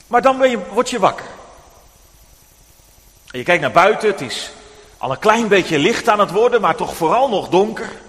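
Male preacher, children's sermon; high, very animated storytelling, reverberant church hall. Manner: animated, addressing children directly.

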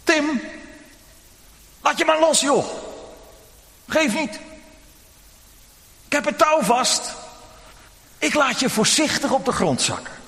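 A man voicing a calm father who reassures his frightened son from below. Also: extremely high pitch, slow, long pauses, in a large hall, pitched above the performer's own voice, full character voice. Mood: reassuring. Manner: encouraging, soothing. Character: calm, reassuring father holding a safety rope.

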